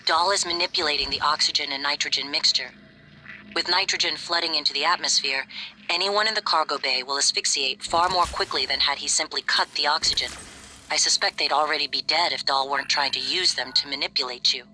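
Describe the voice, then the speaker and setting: An actor playing a calm, analytical male AI operator in a video game, speaking precisely. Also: fairly high pitch, a little fast, slight background noise, rough recording.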